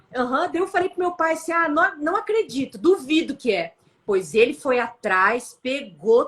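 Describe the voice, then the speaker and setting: Very wide pitch swings in a woman's fairly slow delivery. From interior of São Paulo state, Brazil (Ourinhos). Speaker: doctor. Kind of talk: casual interview.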